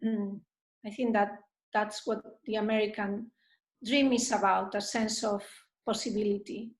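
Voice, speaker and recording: A middle-aged woman from Spain, answering questions thoughtfully after a dharma talk, with frequent pauses and restarts. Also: mid-range voice, steady tone. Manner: thoughtful, hesitant, many restarts. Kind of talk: group discussion answer. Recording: roomy echo.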